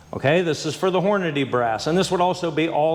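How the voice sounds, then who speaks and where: In a room with audible echo, a man speaks with ordinary pitch variation. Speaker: gunsmith. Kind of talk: tutorial. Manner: fast.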